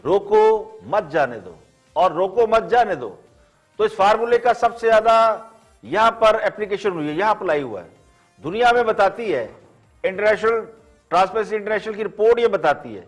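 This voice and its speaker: High-voiced sardonic TV host. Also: male voice. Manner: sardonic, uses proverbs and lists. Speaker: talk show host. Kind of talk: opinion commentary on TV.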